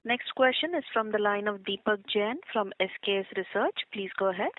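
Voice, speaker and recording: A woman's voice: medium pitch, fairly quick. A woman working as a conference call operator, making formal scripted announcements over the phone. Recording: tinny phone conference line.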